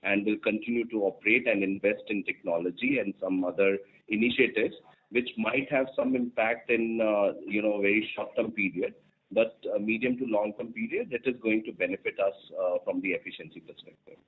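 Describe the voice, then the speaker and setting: A man, a finance executive, answering an analyst on an earnings call, halting with many fillers. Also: fairly low pitch, breathy edge. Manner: halting, heavy fillers like uh and you know. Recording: phone-line audio.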